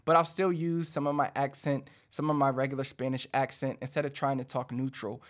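A man in his thirties, a language teacher, explaining a lesson to camera in a casual, encouraging way, speaking into a studio mic in a small dark home studio. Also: mid-range voice, a little fast. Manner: animated, talks with his hands, conversational and encouraging. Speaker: Spanish teacher. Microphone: studio mic on boom arm in front.

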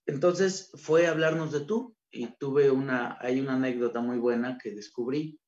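Animated Mexican man giving a talk. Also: mid-range voice, normal speed. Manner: colloquial, animated, acts out quoted voices. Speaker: conference speaker, gastronomy researcher. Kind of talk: informal conference talk. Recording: dull lo-fi recording.

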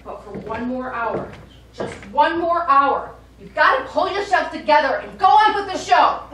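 A woman's voice: sits high, animated, normal speed, a bit bright. A woman acting a frantic, worn-out ventriloquist with theatrical emotion in a live stage play. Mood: weary, pleading. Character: frantic, worn-out female ventriloquist unravelling before a show. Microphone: far camera. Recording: distant noisy echoey stage camera recording.

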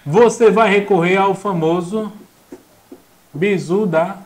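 A man's voice: sits high, slow pace. A young man teaching a classroom lecture, joking and acting out little voices. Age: young adult. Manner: jokey and animated, acts out voices.

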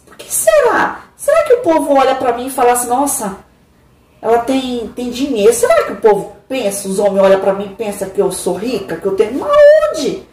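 A woman's voice: a little high, big pitch swings, brisk, a little mellow. A middle-aged woman, chatting casually and confidingly to her viewers from her home kitchen, with dramatic sighs. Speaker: vlogger. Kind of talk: casual chat. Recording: echoey kitchen with noise.

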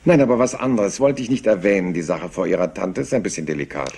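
A rumpled police inspector in a crime radio play. His voice is low and husky, and he sounds hesitant and apologetic while quietly prying. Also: fast talker, heavily acted. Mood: apologetic, probing. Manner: hesitant, apologetic, deceptively casual. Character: rumpled, polite, slyly persistent male police inspector.

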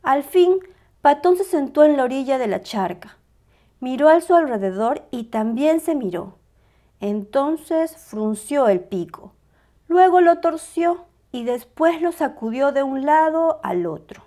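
A woman reading a picture book aloud as a storyteller, with expressive, dramatized narration for small children. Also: high voice, measured pace.

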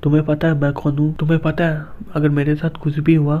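A man voicing an arrogant, cruel rich young man who boasts and threatens, read in a flat, even way. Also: on the high side, fast talker, natural voice. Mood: arrogant menace. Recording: dull lo-fi recording.

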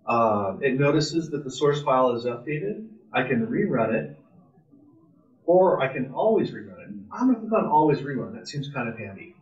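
A man's voice: medium pitch, very animated, moderate pace. Distant, echoey man teaching coding informally. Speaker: presenter at a robotics club meetup. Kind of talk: informal live coding tutorial. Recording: distant, roomy, muffled meeting-room sound.

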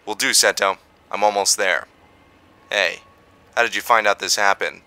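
A man plays a steady investigator in an audio drama. His lowish voice is very sharp and forceful, cleanly resonant, with a businesslike, reassuring manner. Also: moderate pace, smooth. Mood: focused, steady.

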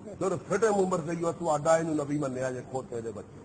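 High-voiced mocking preacher. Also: male voice, slight background noise. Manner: mocking, animated storytelling with quoted dialogue. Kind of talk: storytelling sermon.

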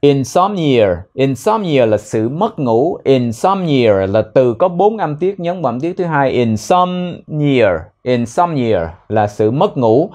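A young man teaching spoken English in a casual way, explaining phrases and repeating words slowly so learners can copy them. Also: mid-range voice, very animated, mellow.

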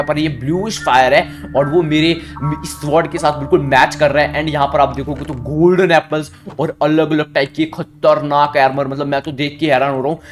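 Young man, Minecraft commentary, excitable, sudden pitch jumps, fairly high voice, clear music behind. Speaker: gaming YouTuber.

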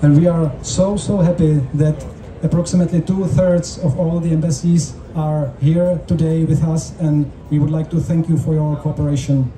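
A man with a Czech accent speaks in a soft, very dark tone at a slightly high pitch. He interprets formally for an event, heard from a distance over a roomy PA. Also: flat delivery. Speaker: interpreter and stage host. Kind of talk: live consecutive interpreting at a public event. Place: open-air covered festival stage. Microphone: handheld mic through PA, recorded from audience. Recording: roomy, distant stage PA sound with noise.

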